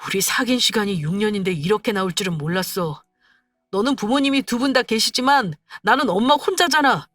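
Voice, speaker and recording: A woman voicing an angry, demanding young man who accuses his fiancée and shouts at her, in a spoken story. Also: mid-range voice, a little fast, dry recording, studio quality, soft background music, natural voice. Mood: whiny.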